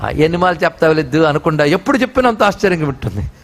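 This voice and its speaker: High-voiced man giving devotional discourse. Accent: Telugu. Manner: expressive, chants verses slowly between explanation. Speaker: spiritual discourse speaker.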